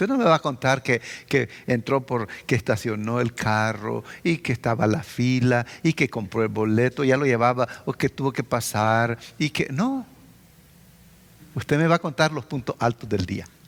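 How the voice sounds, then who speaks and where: The recording is very clean, with a silent background and a dry, close sound with no echo. A man of medium pitch speaks fairly slowly with ordinary pitch variation. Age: 60s. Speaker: pastor. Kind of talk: bible study lecture. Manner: halting, many restarts.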